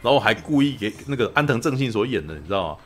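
A man's voice: mid-range voice, big pitch swings, racing, a bit bright. A man, hosting a podcast in casual chat, rambling and laughing often, tagging "you know" onto his sentences. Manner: rambling, constant "you know" tag questions, frequent laughter. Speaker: podcast host reviewing a film.

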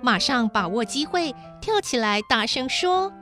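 A woman storyteller narrating a children's story in a gentle, expressive reading. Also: fairly high pitch, a little slow, over music.

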